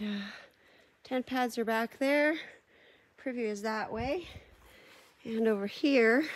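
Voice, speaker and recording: Woman, casual vlogger, chatty outdoor walkthrough, mid pitch, faint background hiss. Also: darkish tone. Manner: chatty, laughs easily, many fillers. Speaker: camping vlogger. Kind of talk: casual outdoor vlog narration. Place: outdoors at a lakeside forest campsite.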